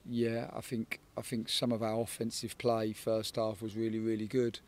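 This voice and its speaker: A man in his forties, a football head coach, giving a measured post-match interview outdoors at a night stadium, often repeating words as he thinks. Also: lowish voice, monotone. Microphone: handheld interviewer microphone.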